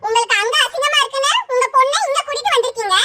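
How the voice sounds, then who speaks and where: Racing along in a very high voice, a woman performs the part of cousin Aishu, a sarcastic young woman with a sharp tongue. The character is blunt and taunting toward her relatives, and the recording carries loud background noise.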